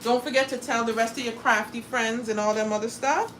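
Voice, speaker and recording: A woman's voice: a little high, steady tone, fairly quick, fairly bright tone, a little hiss or hum, low-quality recording. Blunt, chatty woman livestreaming. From born in Guyana, raised in the US. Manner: blunt and profane, chatty, self-deprecating. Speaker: crafting content creator and livestream host. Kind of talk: casual livestream chat.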